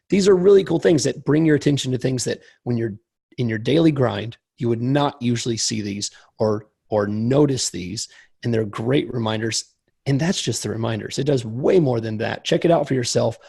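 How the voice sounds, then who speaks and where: A man co-hosting a podcast with a slightly hoarse, crackly voice, chatting casually in a self-deprecating, slightly awkward way. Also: medium pitch, warm tone. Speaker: podcast co-host.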